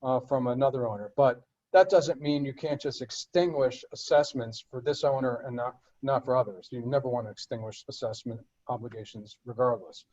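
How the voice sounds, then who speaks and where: A man answering board questions in a webinar, explaining legal steps in a measured way with frequent fillers and restarts. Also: medium pitch, a little mellow, dull audio. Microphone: web conference audio.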